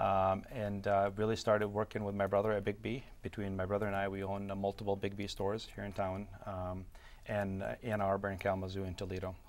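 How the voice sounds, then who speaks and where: This man speaks in an American accent at a fairly quick pace. His pitch is fairly low and his intonation monotone and flat. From Egypt, then Lansing, Michigan from middle school. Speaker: business owner and class instructor. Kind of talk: interview.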